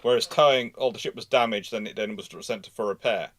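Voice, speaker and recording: A man's voice: lowish voice, a bit bright. Discursive man hosting a history talk. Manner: discursive, explanatory, halting mid-thought. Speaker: host of a live naval history show. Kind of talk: live question-and-answer talk with informal commentary.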